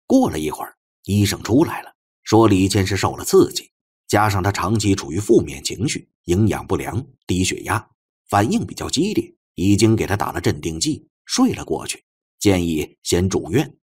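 A male audiobook narrator with a husky, low voice reads fiction in a dramatic style. His pitch swings widely as he tells the story in measured, expressive phrases. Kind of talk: dramatic scripted novel narration.

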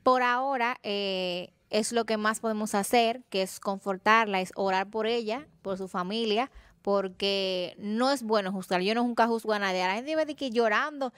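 Woman co-host, calm and empathetic, smooth voice, dry close sound. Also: medium pitch, moderate pace, no echo. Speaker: co-host of a talk show. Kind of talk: studio debate.

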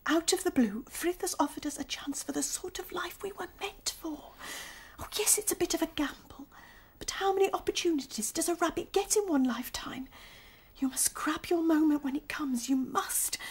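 Gutsy girl rabbit, really high voice, pushy and urgent, radio drama. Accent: British. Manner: urgent, persuasive. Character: bold, determined female pet rabbit.

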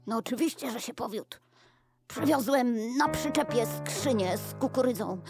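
A woman playing a scheming, smug male guard and trader in an improvised children's radio play, brisk and bargaining. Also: a little high, expressive, gravelly, over music. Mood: conniving.

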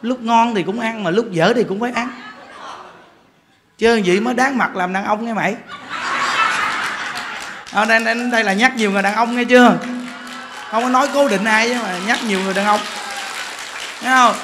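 A man's voice: high-pitched, normal speed, long pauses, crowd noise, background noise. A man with a Southern Vietnamese accent, a Buddhist monk giving a humorous storytelling sermon. He jokes, chats and repeats words as he builds a point.

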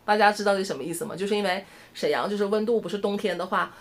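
A woman's voice: mid-range voice, racing. A middle-aged woman from Shenyang with a Northeastern Mandarin accent, chatting animatedly to camera and telling a story. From Shenyang, northeast China. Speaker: vlogger. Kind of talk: casual chat to camera.

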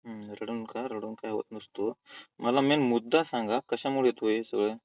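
A man taking a help call, calm and firm, asking short direct questions. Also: mid-range voice, moderate pace, dry recording. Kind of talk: phone call. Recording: tinny dry phone line, distant from mic.

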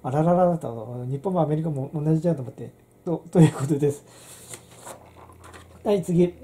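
A woman's voice: sits low, normal speed, warm tone, slight background noise. A middle-aged woman, hosting a casual handwriting lesson and rambling with many fillers and restarts. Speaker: channel host.

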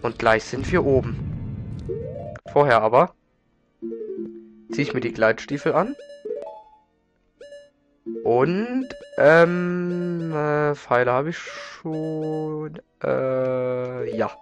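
A man's voice: a little high, drawn-out words, pauses often. A man with a slight head cold giving casual, rambling video game commentary as a let's play host. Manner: informal, rambling, repeats words. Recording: game music behind. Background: video game music.

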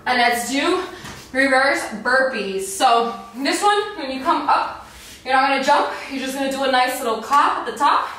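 A woman's voice: high voice, animated, moderate pace, sharp tone. A young woman giving casual, informal workout instructions, explaining each exercise. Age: young adult. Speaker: fitness instructor. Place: bare white indoor room. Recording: echoey room, distant mic, faint noise.

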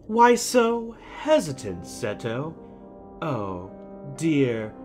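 A man playing a slow, cooing, taunting villain. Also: a little high, huge pitch swings, darkish tone, exaggerated voice. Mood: mocking, gloating. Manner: mocking, cooing, condescending. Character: taunting, soft-spoken male kidnapper villain, sadistically tender. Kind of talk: audio drama acting. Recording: music under the voice.

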